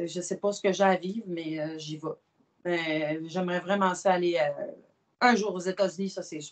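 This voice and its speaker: A woman with a Quebec accent speaks at a medium pitch. Her intonation stays fairly even while her loudness swings widely. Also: moderate pace. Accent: Québécois French. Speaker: professional wrestler. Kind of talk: interview. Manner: hesitant, many fillers.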